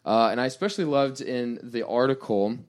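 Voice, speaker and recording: A man's voice: medium pitch, a little fast. Man hosting a church podcast. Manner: friendly, conversational, asks open questions. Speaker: pastor and podcast host. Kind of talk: casual podcast interview.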